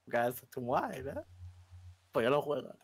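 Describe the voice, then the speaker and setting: A man's voice: medium pitch, normal speed. A man chatting casually with other players during an online roleplay game. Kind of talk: casual roleplay chat while gaming.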